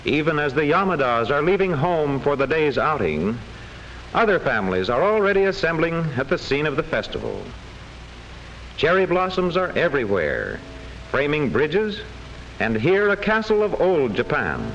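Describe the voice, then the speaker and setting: A man reading scripted classroom film narration in a measured, enunciated storytelling manner. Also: a little high, big pitch swings, fairly bright tone, low-quality recording. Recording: old classroom film soundtrack, faint hiss.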